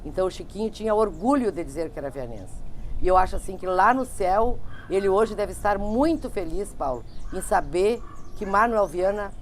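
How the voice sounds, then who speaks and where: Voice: mid-range voice, lively intonation, moderate pace, a little hiss or hum. A teacher speaking earnestly in a documentary interview. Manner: earnest, reciting verses from memory.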